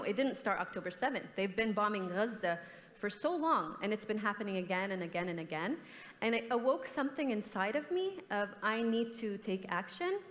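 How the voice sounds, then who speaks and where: A woman's voice: mid-range voice, fairly bright tone. A young woman artist speaks at a forum panel, earnest and impassioned. Her voice sits in a middle register and rings with a long reverb from a big conference hall. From grew up in the US and Canada. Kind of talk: panel discussion answer. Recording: hall reverb, stage mic.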